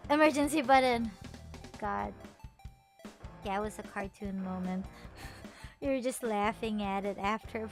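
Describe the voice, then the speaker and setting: A woman from the Philippines, chatting playfully on a stream, teasing herself and laughing often. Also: sits high. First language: Filipino. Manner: animated, playful and self-mocking, laughs often. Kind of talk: casual chat stream.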